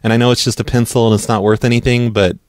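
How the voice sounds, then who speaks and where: A man's voice: medium pitch, level tone, very fast, dry recording. This man stammers and halts through a prank call, putting on a mock-earnest tone. His voice is dry and close, with no room sound around it. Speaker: prank caller.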